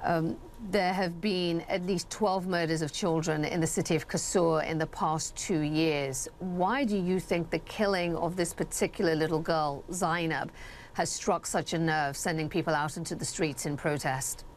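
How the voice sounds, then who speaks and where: A woman's voice: low voice, fairly even intonation, moderate pace, slight background noise. A woman anchoring a news broadcast who introduces a guest and asks poised, probing questions. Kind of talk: news interview.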